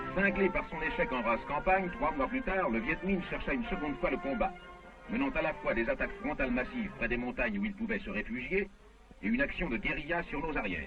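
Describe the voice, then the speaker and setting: Music plays behind a man talking at a fairly quick pace. His voice is high, with very wide pitch swings. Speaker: documentary narrator. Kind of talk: newsreel documentary narration.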